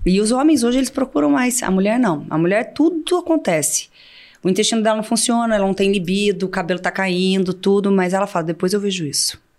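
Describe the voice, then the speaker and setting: A woman with an ordinary speaking voice and medium pitch talks at a fairly quick pace, keeping her loudness very even. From Brazil, São Paulo state (Cachoeira Paulista). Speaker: physician. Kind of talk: casual interview.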